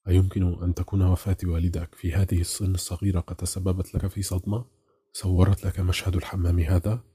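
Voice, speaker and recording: A man reading a gentle sympathetic woman co-host. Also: low-pitched, little pitch movement, fast talker, husky. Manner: soft, sympathetic.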